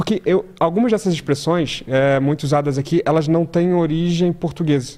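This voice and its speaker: This man's voice sits high in pitch, with a dark, mellow tone. He keeps a moderate pace and ordinary pitch variation. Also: very even loudness. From Brazil, Teresópolis near Rio de Janeiro. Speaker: illustrator and content creator. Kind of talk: casual chat. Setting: studio with audience.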